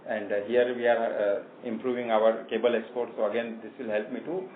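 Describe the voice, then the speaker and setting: A man's voice: mid-range voice, flat delivery, fairly quick, slight background noise. Hesitant man on an echoey phone line. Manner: hesitant, many fillers and restarts. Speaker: company executive answering analysts. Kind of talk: earnings call answers.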